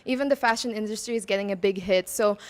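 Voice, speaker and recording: Talking fast in a mid-range voice, a pageant candidate in her twenties who grew up in Macau answers interview questions. She's bubbly, laughing between responses and mixing Tagalog words into her speech.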